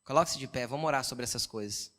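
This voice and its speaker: A middle-aged Brazilian pastor preaching a sermon, telling personal stories and often checking that listeners follow. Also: male voice, medium pitch, fast talker, bright, forceful tone. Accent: Brazilian Portuguese. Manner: conversational preaching with frequent "entendeu?" check-ins; storytelling, quoting God and his wife in dialogue.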